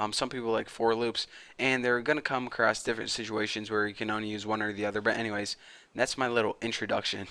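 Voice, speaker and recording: At a very fast pace, a man with a medium-pitched voice speaks in a flat monotone. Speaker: programming tutorial teacher. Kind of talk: tutorial. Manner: casual, conversational.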